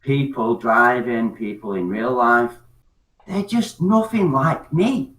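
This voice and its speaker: A man's voice: medium pitch, lively intonation, slow, a bit bright. A drunk man from Scotland, rambling and swearing through a casual online chat. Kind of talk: casual chat on an open call-in platform. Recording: echoey, distant mic.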